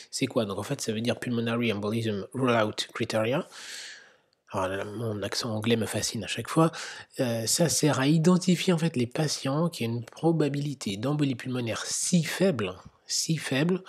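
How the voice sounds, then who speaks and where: Male lecturer, husky, mid-pitched, teaching from slides with hesitant pauses. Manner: explanatory, frequent hesitations, occasional whispered asides. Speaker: medical lecturer. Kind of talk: slide lecture on medical guidelines.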